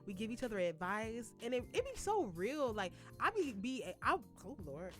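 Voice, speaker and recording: A young woman co-hosting a casual college radio chat, animated and quick to laugh, full of slang. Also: on the high side, faint music behind. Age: young adult. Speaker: co-host. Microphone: studio mic.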